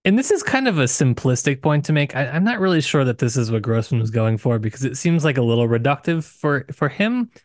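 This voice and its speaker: A man co-hosting a casual book discussion podcast, hesitant and searching for words, with frequent restarts and sudden rises in pitch. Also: fairly quick, hardly any pauses, no room sound, clean studio sound. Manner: hesitant, many restarts and hedges, animated pitch jumps. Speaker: podcast co-host discussing a novel.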